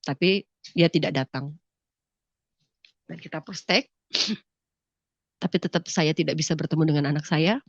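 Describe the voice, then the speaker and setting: A woman's voice: low voice, normal speed, pauses often, no echo. A middle-aged woman giving an emotional church testimony, tearful and sniffling, often turning to her listeners as brothers and sisters. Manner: addresses listeners as "saudara", voice breaking with grief. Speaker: testimony speaker. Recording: dull lo-fi dry recording.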